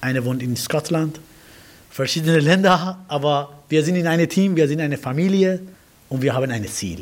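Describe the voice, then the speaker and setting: In a Persian accent, a man speaks at a moderate pace with a fairly high pitch for a man. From Iran. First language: Persian (speaking German). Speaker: judo athlete and coach. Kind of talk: interview testimony. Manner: halting non-native German.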